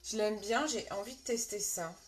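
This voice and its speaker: A woman's voice: mid-range voice, normal speed, over music. A woman with a French accent hosting a casual live makeup tutorial from her bedroom, chatting and greeting viewers by name with many fillers. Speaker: makeup seller and live host.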